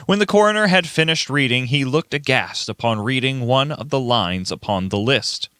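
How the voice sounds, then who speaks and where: A man's voice: medium pitch, animated, moderate pace, pushed and bright, smooth, no room sound, studio quality. A man acting as narrator and reader in an amateur recording of a dramatic reading. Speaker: narrator and reader of all parts.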